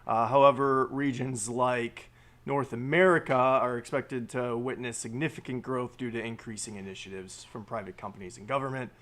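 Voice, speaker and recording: Guy hosting a live stream, reading news out loud, lots of uhs and restarts. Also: medium pitch, fairly even intonation. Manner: halting, many fillers and restarts while reading aloud. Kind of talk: reading and discussing news articles.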